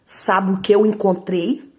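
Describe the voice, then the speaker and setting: A woman's voice: medium pitch, little pitch movement, unhurried, lightly acted. Woman doing a spiteful tattling sister.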